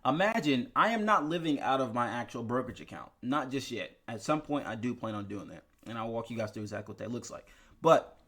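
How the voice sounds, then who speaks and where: A man's voice: mid-range voice, animated, a little fast, fairly bright tone. Tired, rambling young man vlogging finances. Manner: chatty and rambling, many fillers and restarts. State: tired from little sleep, yawning. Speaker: finance YouTuber. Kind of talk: casual vlog about investing.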